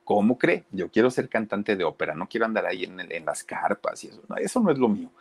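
A man voicing a proud, stubborn teenage girl who wants to sing opera, in his own low, lively storytelling voice. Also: fast talker, gravelly, husky, no room sound, full character voice. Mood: indignant.

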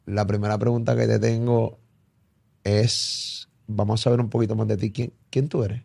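A man's voice: fairly low pitch, level tone, moderate pace, vocal fry, darkish tone. A man from Puerto Rico with a Puerto Rican Spanish accent, hosting a casual interview in a talkative way with frequent exclamations. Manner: talkative, many fillers and restarts, exclamations. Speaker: radio and online show host.

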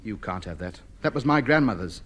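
A man's voice: fairly low pitch, expressive, fairly quick, a bit bright, breathy edge. An actor playing a vain, self-important man who clings to faded grandeur, in a 1950s radio sitcom. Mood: grandiose. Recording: old radio broadcast.

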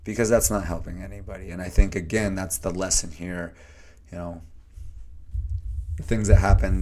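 A man hosting a solo podcast, talking earnestly and a little hoarsely, often restarting his sentences. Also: deep voice, mellow. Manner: earnest, searching, with many restarts and fillers. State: slightly hoarse. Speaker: podcast host. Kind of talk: reflective solo podcast monologue.

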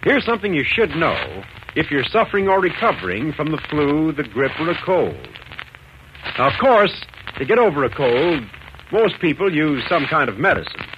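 An American man working as a 1940s radio announcer, delivering sponsor pitches and serial narration in an earnest, emphatic way. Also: very animated, normal speed. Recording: noisy, muffled 1940s radio recording.

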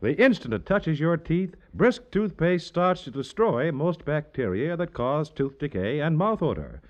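50s radio announcer guy, highish voice, unhurried, really lively delivery, dull old recording. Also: music in the background. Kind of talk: 1950s radio announcing, scripted ad read.

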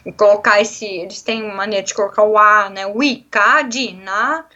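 A woman's voice: medium pitch, fairly even intonation, moderate pace, sharp tone, lo-fi sound. A young adult woman from Brazil with a Brazilian Portuguese accent, chatting animatedly in an interview and acting out little quotes as she talks. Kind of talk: casual conversational interview.

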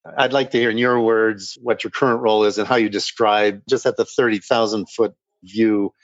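A man's voice: on the low side, fairly even intonation, moderate pace, dry recording, dull audio. A man hosting a podcast interview and asking conversational, curious questions. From Switzerland. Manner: conversational, inquisitive.

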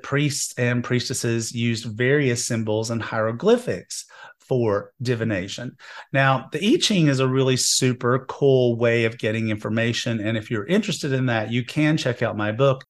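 Male host, casual and wry, a little hoarse from a cold, mid-range voice. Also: mid-range voice. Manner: chatty, wry asides. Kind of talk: casual spiritual talk show. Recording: internet radio show.

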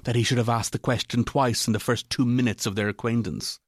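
A man narrating a classic literary ghost story from a script in a measured, deliberate way. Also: mid-range voice, steady tone, no echo, clean studio sound.

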